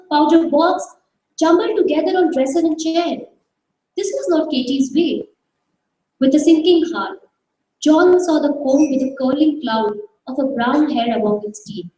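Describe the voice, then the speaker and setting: A woman giving a measured, expressive dramatized reading of a short story on a live festival stage. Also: high voice. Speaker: reader. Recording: echoey hall from far off.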